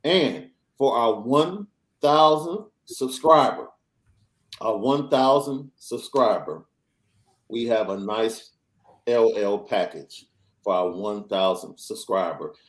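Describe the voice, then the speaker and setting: A young adult man hosting a casual sports podcast, reading through news in an energetic, chatty way. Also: fairly low pitch, slow. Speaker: podcast host.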